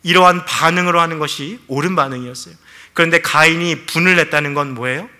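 Bright-voiced man preaching a sermon. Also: a little high, fast. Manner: earnest preaching, addresses listeners directly, acts out quoted prayers. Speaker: pastor.

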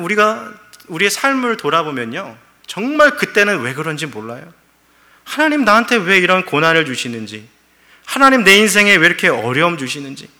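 A man's voice: high voice, bright, forceful tone. A middle-aged man preaching a sermon as pastor, telling a story with feeling and acting out quoted prayers.

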